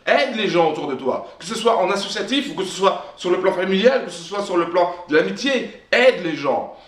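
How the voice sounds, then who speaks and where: A man's voice: high-pitched, animated, brisk. Emphatic French-speaking man, echoey room. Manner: emphatic, repetitive, frequent restarts. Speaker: self-help vlogger. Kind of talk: direct-to-camera motivational talk.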